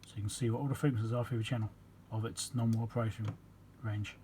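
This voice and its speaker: A man with a soft-edged, mellow voice talks through technical details in a casual, matter-of-fact way. He rambles a little as he thinks aloud, with faint noise behind him. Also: lowish voice, fairly even intonation, racing. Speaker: electronics repair host.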